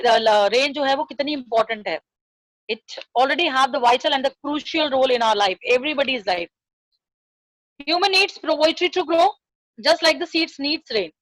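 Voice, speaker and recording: A woman's voice: sits high, a bit bright, no echo, poor audio. A woman with a South Asian accent teaching a poem in a classroom lesson, repeating phrases and questions for emphasis.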